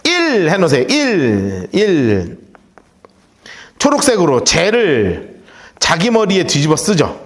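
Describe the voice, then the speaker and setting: A man's voice: on the high side, huge pitch swings, takes it slowly, pauses often. A male pastor leading a Bible study sermon, telling the story vividly and acting out the characters' lines. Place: church.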